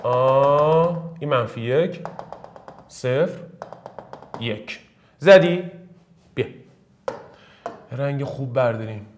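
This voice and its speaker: A man from Iran teaching an exam-prep math lesson, joking and swinging between loud bursts and low muttering. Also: pauses often, a little hiss or hum.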